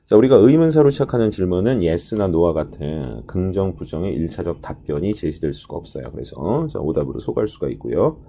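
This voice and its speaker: A man's voice: deep voice, very animated, a little fast, creaky, hardly any pauses, warm tone, breathy edge. A man teaching a test-prep listening lesson, explaining each answer choice step by step and stretching out key words for emphasis. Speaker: TOEIC listening instructor.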